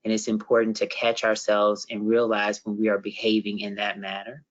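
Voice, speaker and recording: Flat-voiced man reading comments on a call. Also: on the low side, normal speed, highs cut off. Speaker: co-facilitator.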